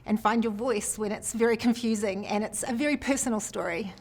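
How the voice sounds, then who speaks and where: Nz woman filmmaker, kinda high voice, earnest and thoughtful, lots of ums. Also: a little fast, darkish tone. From New Zealand. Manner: thoughtful, earnest, with fillers and laughs. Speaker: film director, guest. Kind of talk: interview. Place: indoor venue.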